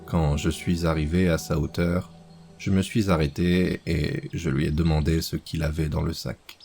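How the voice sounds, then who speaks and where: A man reading a horror story aloud as scripted narration, slow and measured. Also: rumbling low, level tone, creaky, a little mellow, soft background music.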